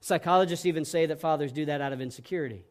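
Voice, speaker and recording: In a very fast, somewhat high voice, a middle-aged male pastor gives an earnest sermon. He swings between quiet, tender stretches and forceful emphasis.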